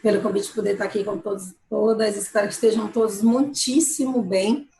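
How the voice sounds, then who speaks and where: A woman in her forties from Salvador, Brazil, giving measured, earnest answers as a candidate in an interview. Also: medium pitch, fairly even intonation, vocal fry, dark tone. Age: 40s. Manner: measured, earnest, with frequent restarts. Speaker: mayoral candidate. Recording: echoey room.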